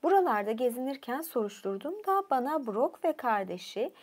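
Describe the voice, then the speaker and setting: A woman's voice: sits high, sing-song, normal speed, a little mellow. A woman voicing a mischievous male trickster god who talks his way out of trouble. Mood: scheming. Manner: glib, wheedling, excuses himself.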